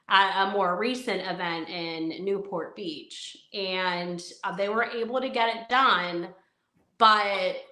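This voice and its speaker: A woman's voice: mid-range voice, sharp tone, echoey room. A woman co-hosting a live podcast, chatting in an upbeat way and giving practical advice. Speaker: podcast co-host. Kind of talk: casual live podcast chat.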